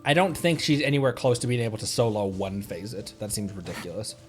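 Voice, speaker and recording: A man streaming a game, playful and animated, talking casually as he thinks aloud. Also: on the low side, fast, faint music behind.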